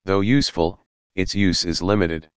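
A man reading a scripted passage aloud in a measured, formal way, as a model answer. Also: deep voice, fairly even intonation, smooth, no echo. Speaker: reader of model answers for an English speaking test.

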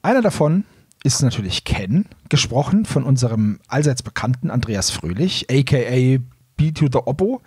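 A man hosts a podcast in a casual, conversational style. His mid-pitched voice has a husky edge, and the recording is close and dry. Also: sing-song, moderate pace, darkish tone, no echo. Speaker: podcast host.

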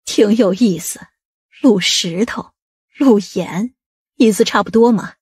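A woman playing a practical, inquisitive sister in an audiobook family drama, measured and straightforward. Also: mid-range voice, a little mellow, husky, no echo, studio quality. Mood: amused.

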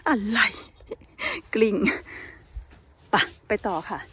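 A woman narrating a casual outdoor vlog while foraging in a forest, exclaiming excitedly over each find. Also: very slow. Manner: excitable, squeals and exclaims when finding mushrooms. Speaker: vlogger.

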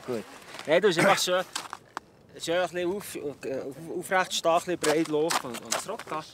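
A man's voice: on the high side, lively intonation, brisk, fairly bright tone, a little hiss or hum. A man with a Swiss German accent, a mountain guide coaching a climber outdoors on snow. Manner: coaching, encouraging.

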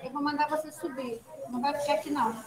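High-voiced Brazilian teacher, echoey classroom. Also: female voice, steady tone. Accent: Brazilian Portuguese. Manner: patient, coaxing, sounds out syllables slowly. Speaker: primary school teacher. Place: school classroom with children. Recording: echoey classroom with loud children's chatter.

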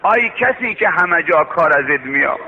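A devout young mother cries out to God in desperate, pleading prayer, as a male preacher acts her out. The voice sits high and comes through thin and tinny, like an old radio recording. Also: expressive, a little hiss or hum, lightly acted.

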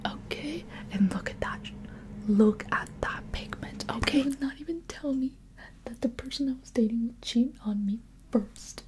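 A woman's voice: fairly high pitch, normal speed. A woman in her twenties whispering a chatty, playful ASMR roleplay up close to the microphone. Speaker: ASMR video creator.

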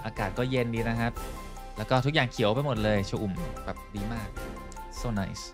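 A man hosting a live online English lesson, speaking slowly and clearly with many fillers. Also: mid-range voice, music in the background. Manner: switches between Thai and English, slow and clear with many fillers.

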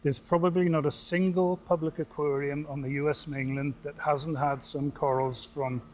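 Welsh-raised man, articulate and relaxed. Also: a little high, moderate pace. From Wales. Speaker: aquarium director. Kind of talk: TV interview. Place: outdoors at a seaside aquarium. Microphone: lapel mic.

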